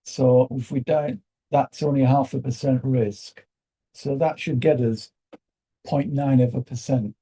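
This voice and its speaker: Croaky British male trading host, very dark and husky, muses aloud with many fillers. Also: mid-range voice, fairly even intonation, low-quality recording. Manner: thinking aloud, halting with fillers. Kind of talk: live trading commentary.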